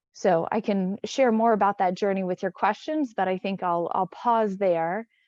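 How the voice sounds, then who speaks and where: A woman speaks with an American accent at a moderate pace and medium pitch. She has an ordinary speaking voice with ordinary pitch variation. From US South (Gulf Coast of Alabama). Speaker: entrepreneur, company co-founder. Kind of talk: panel talk.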